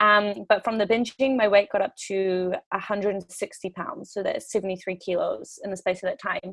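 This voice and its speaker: A woman speaks with a New Zealand accent. Her pace is fairly slow and her pitch varies in an ordinary way. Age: 30s. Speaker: former coaching client. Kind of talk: interview testimony. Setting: podcast interview.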